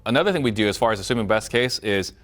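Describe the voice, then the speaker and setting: A man leading a recorded sales training course, explaining briskly and acting out sample phone dialogues. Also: fairly low pitch, animated, a bit bright.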